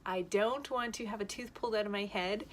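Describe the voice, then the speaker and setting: A woman's voice: mid-range voice, steady tone, fairly quick, a bit bright. A woman telling a personal story to camera in a chatty, candid way, laughing often, shaken by vertigo. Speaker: vlogger.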